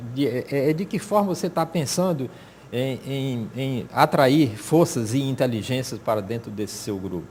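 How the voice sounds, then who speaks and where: A somewhat breathy male voice of medium pitch, lively intonation and a fairly slow pace. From Ceará, Brazil. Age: 70s. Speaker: TV interviewer. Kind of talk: TV interview. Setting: TV studio. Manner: halting, with many repetitions.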